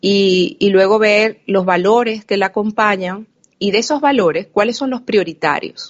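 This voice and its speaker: A woman's plain, everyday voice, medium in pitch, with ordinary pitch variation and a fairly slow pace. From Venezuela, Zulia (Maracaibo). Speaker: corporate coaching program manager. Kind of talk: interview.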